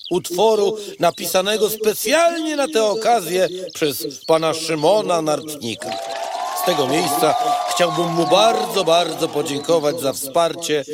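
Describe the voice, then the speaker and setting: An actor voicing a pompous, speechifying retired cavalry captain beetle who is running for mayor in a cartoon. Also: male voice, fairly high pitch, animated, measured pace, over a noisy crowd. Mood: solemn. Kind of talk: cartoon voice acting.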